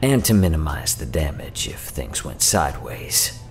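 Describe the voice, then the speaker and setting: Low-voiced, sardonic rogue, music behind. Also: male voice, big pitch swings, normal speed. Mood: matter-of-fact. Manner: slangy, sardonic, casually profane. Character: irreverent, roguish male otherworldly emissary, whiskey-drinking schemer. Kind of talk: audio drama acting.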